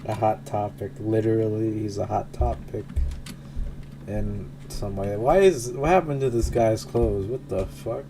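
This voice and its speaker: Low-voiced, slow woman game streamer. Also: background noise. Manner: flippant, sweary, teasing. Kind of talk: casual gameplay commentary. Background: game music.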